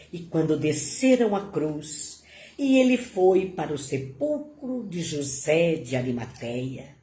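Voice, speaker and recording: Slow, dramatic woman storyteller. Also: lowish voice, mellow, slight background noise. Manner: slow, dramatic, emotional telling. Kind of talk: devotional story narration. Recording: roomy echo.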